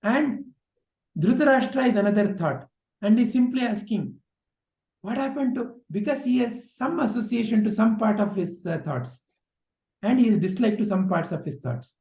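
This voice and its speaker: A man's voice: sits high, animated, normal speed, mellow. A man giving a spiritual discourse, asking rhetorical questions and repeating phrases for emphasis. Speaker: spiritual teacher. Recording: echoey room sound.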